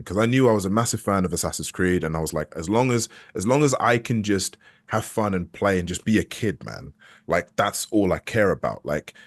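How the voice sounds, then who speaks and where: Low-voiced man, candid and reflective. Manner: candid and reflective, with frequent restarts and hesitations. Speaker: video game actor as interview guest. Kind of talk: casual conversational interview.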